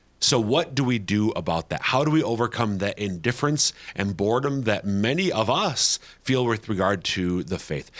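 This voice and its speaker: A man's medium-pitched voice with lively intonation and a Minnesotan accent, on a very clean recording with a silent background. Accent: Minnesota. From central Minnesota. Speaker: podcast host. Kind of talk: casual chat. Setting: studio.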